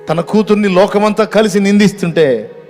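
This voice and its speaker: Male pastor preaching, all fired up then dropping to a hush, pleading prayer, music playing underneath. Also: high voice, moderate pace. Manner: impassioned, swinging from loud cries to hushed tones. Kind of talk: sermon.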